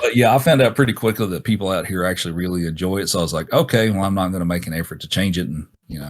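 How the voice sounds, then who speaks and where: An American-accented man, very deep and low in pitch, at a very fast pace with hardly any pauses and ordinary pitch variation. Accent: Southern, somewhat diminished. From US South, Appalachian Virginia. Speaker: speedrunner. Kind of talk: casual chat. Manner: sped-up speech.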